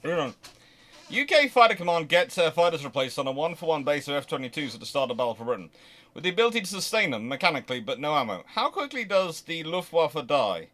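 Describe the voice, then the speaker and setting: Man thinking aloud, halting and emphatic. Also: fairly high pitch, sing-song, pushed and bright. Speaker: host of naval history channel. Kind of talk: live question-and-answer talk, speculative history commentary.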